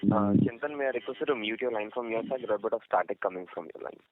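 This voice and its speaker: Brisk call operator on a tinny line. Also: male voice, on the low side, no echo. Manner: brisk, formal. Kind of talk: call moderation.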